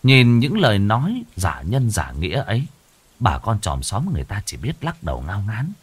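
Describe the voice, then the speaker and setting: A man narrating a folk horror story in a dramatic, expressive way. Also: fairly low pitch, moderate pace, husky.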